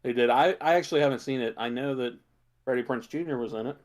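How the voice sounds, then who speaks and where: A man's voice: mid-range voice, quick pace. A man co-hosting a podcast, chatting casually about films and shows, thinking aloud as he goes. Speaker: podcast co-host.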